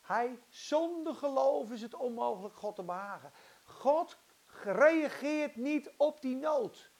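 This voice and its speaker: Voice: sits high, animated, takes it slowly, creaky, a little mellow. A preacher delivering an impassioned, dramatic sermon and acting out Bible stories.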